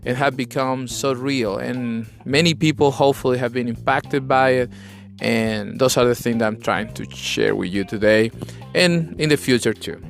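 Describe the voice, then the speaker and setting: A man's voice: mid-range voice, moderate pace, vocal fry, faint music behind. A man from Chile with a Chilean Spanish accent, a native Spanish speaker, hosting a conversational leadership podcast in an earnest, instructive way. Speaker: podcast host.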